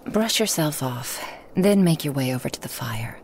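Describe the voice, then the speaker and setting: A woman playing a lonely, hospitable woman in a remote forest cabin, speaking softly and coaxingly in a half-whisper to the listener. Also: low voice, lively intonation, moderate pace, noisy background. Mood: gentle. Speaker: ASMR roleplay performer. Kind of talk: ASMR roleplay, whispered to the listener.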